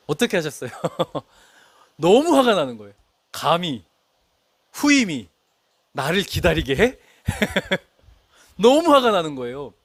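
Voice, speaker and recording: A man's voice: a little high, no room sound. A middle-aged male pastor preaching a sermon, telling a story and asking the congregation questions. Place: church.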